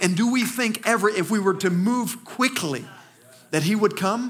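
Noticeable noise runs behind a man who speaks at a moderate pace in a high pitch, with ordinary pitch variation. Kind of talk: sermon. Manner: animated, call-and-response, urging the congregation to repeat lines; earnest, conversational and warm.

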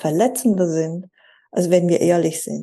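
This woman has a fairly low pitch and a dark, mellow tone. The background is quiet. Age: 40s. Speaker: dating mentor for single women, former HR manager. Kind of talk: interview conversation.

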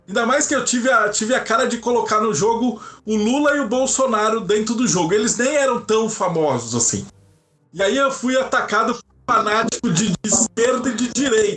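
Music plays in the background as a man talks at an extremely high pitch. His pace is moderate and his pitch variation ordinary. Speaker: RPG author and mythology encyclopedist. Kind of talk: casual interview.

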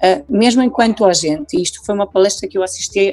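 With music in the background, the voice carries a Polish accent and ordinary pitch variation. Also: woman. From Poland. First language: Polish (speaking Portuguese). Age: 30s. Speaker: real estate franchise owner. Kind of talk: interview.

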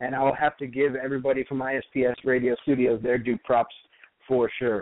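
A man's ordinary speaking voice at medium pitch and a fairly quick pace. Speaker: radio host. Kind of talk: live radio show chat. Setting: phone interview with guests. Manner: casual, chatty.

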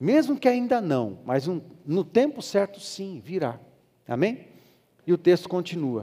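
This man's high voice has a dark, mellow tone and very wide pitch swings, moving at a fairly slow pace with long, frequent pauses. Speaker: preacher. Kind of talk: sermon. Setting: church. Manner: preaching cadence, emphatic, repeating key phrases with 'Amém?'.

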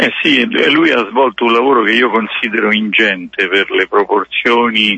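Noticeable background noise sits under a man speaking at a fairly slow pace. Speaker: university professor. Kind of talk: radio interview. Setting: remote call while on the move. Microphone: unstable connection.

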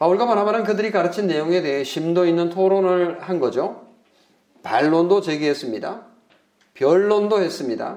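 A man's high-pitched voice at a moderate pace with ordinary pitch variation and audible room echo. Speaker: pastor. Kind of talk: sermon. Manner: conversational.

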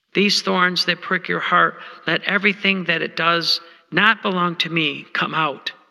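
At a moderate pace, a man with a high pitch talks in a bright, sharp tone. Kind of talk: retreat talk reading devotional meditation aloud. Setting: church parish retreat. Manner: enthusiastic.

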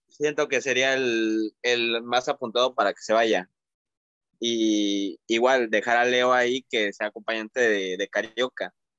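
This man talks at a fairly slow pace and medium pitch, his bright, sharp tone and fairly even intonation caught in a dry, close sound with no echo. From Acapulco, Guerrero, Mexico. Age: 20s. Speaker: podcast panelist. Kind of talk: casual sports chat.

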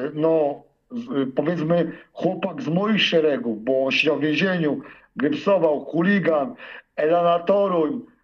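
Speaking very slowly with a Ukrainian accent, a man has a high pitch, lively intonation and very even loudness. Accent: foreign-tinged Polish from living in Ukraine. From Poland, Kraków. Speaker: former football hooligan and criminal. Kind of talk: interview testimony. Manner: halting, with many fillers and repetitions.

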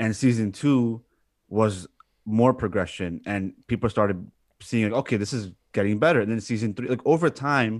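At a moderate pace, a man with a New York accent speaks in a fairly low pitch with ordinary pitch variation. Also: very clean recording, silent background. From New York, US. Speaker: co-host. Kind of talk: casual discussion.

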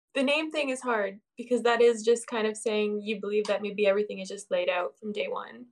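A woman with a Canadian accent has an unremarkable speaking voice, fairly high in pitch. She talks at a fairly quick pace with fairly even intonation. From Canada. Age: 20s. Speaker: podcast guest. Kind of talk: casual chat.

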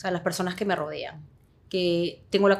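A woman with a plain, everyday voice speaks at a fairly quick pace in a medium pitch with fairly even intonation, in a very clean recording with a silent background. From Peru, Chimbote. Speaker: restaurant entrepreneur. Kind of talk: interview.

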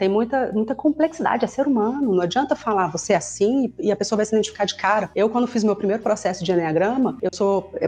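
With lively intonation, a woman speaks in a normal speaking voice. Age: 30s. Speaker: Enneagram personality consultant. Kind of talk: interview.

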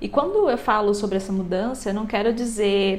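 With noticeable background noise around her, a woman talks at a moderate pace and medium pitch, her intonation fairly even. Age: 20s. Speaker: entrepreneur and content creator. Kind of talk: casual interview chat.

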